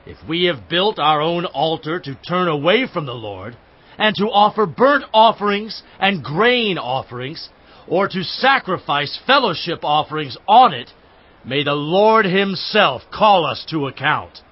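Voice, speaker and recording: An actor playing an earnest tribal spokesman with a husky voice, fervently pleading innocence in a declamatory scripture drama. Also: on the high side, lively intonation, unhurried, dull audio. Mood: fervent protest.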